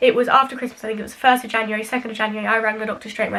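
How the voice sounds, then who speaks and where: A woman's fairly high voice in an English accent. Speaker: YouTuber. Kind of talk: casual chat. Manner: fast.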